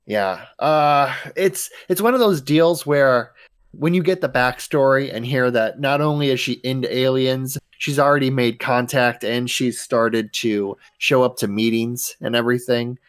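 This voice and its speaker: A man co-hosting a podcast, chatting casually in a joking, animated way and swearing freely. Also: mid-range voice, a little slow, clear, resonant tone. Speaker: podcast co-host. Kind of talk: casual chat.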